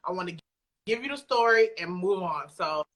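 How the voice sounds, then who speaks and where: Chatting as a guest in a relaxed interview, a woman who creates audio dramas talks in an emphatic, playful, slangy way. Her lowish voice is animated and fairly bright, at a moderate pace.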